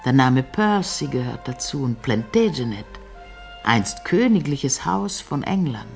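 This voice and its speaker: A woman playing a proud, solemn mother instructing her young son in a radio drama, measured in her delivery. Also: very deep voice, big pitch swings, vocal fry, darkish tone, faint music behind, heavily acted. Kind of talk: German radio play acting.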